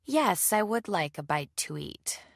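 A woman's voice: on the low side, fairly even intonation, a little fast, vocal fry, fairly bright tone, no room sound, clean studio sound. A woman voicing the story's young heroine, wry and brittle, in her own natural voice.

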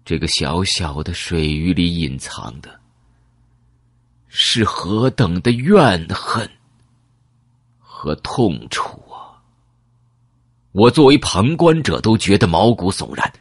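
Male audiobook narrator, very deep and husky, dry close mic, emotive reading. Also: sing-song, slow pace, long pauses, no echo. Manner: emotive storytelling, first-person.

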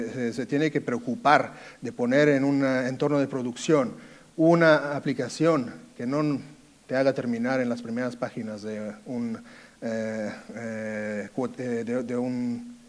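A man with an Italian accent giving a conference talk on a dark stage, hesitant, with many fillers and restarts. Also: mid-range voice. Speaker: conference speaker, sales engineer. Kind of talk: conference presentation.

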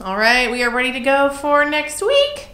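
Young woman, teacher vlogger, tired and pregnant, chatty and frank, bright voice. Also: high voice, wildly swooping pitch, normal speed, faint music behind. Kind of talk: casual vlog chat. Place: classroom.

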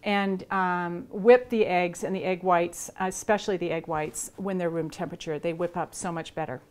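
This female voice is fairly low and moves at normal speed, with a little hiss or hum in the audio. She's a sixty-something cooking show host demonstrating in a large home kitchen, chatting in a relaxed way as her hands work.

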